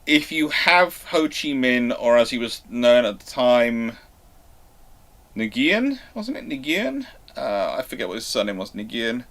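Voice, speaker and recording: Halting, discursive man in live history discussion. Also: mid-range voice, very animated, a bit bright. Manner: halting, discursive, repeats and reworks sentences. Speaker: host of a live history Q&A show.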